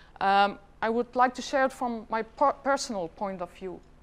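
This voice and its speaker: Speaking in a Flemish accent, a woman talks at a moderate pace with a fairly high pitch and ordinary pitch variation. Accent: Flemish Dutch accent in English. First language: Dutch. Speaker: government diversity manager. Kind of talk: conference presentation. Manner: halting, with fillers and restarts.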